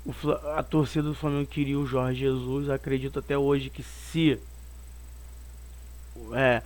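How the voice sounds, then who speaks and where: A hoarse man with a Brazilian Portuguese accent, hosting his own football channel and rambling opinionated commentary on a match, circling back on his points. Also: medium pitch, flat delivery, measured pace, darkish tone. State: hoarse from a cold.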